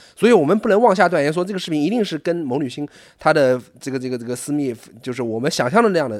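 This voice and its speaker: Pitch swinging very widely, a man speaks at a very fast pace. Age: 30s. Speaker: podcast co-host. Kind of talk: casual chat.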